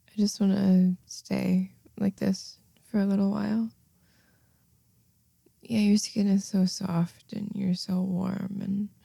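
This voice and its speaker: Woman doing a timid sweet young girlfriend, soft whispery voice, warm and dark, real slow. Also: fairly high pitch, no echo, clean studio sound, exaggerated voice. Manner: soft, breathy, often whispering. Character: shy, eager young woman lover. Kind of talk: intimate audio roleplay.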